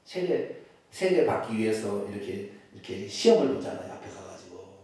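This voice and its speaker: Animated preaching pastor, echoey hall. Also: male voice, lowish voice, normal speed. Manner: animated, calls out loudly and has the congregation repeat. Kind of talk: sermon. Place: church sanctuary. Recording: echoey church hall from far off.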